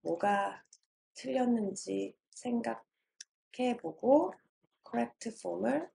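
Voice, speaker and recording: A Korean-speaking woman giving a lecture on language teaching. She has a mid-pitched, gravelly voice. She reads English definitions slowly and acts out the teacher and the student. Faint noise hums under the recording. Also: expressive, warm tone.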